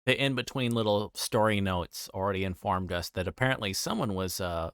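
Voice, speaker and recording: Male game streamer, lower-pitched voice, alternates read-aloud narration with loose, halting casual chat. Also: a bit bright, clean tone, dry recording, clean studio sound. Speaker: livestreamer. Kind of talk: reading a visual novel aloud with casual chat to viewers.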